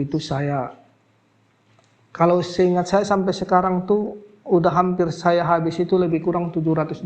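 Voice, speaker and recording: Emotional middle-aged man recounting his past. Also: fairly high pitch. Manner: animated, acts out quoted voices, voice drops when recalling crying. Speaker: alternative healer. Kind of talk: emotional personal storytelling.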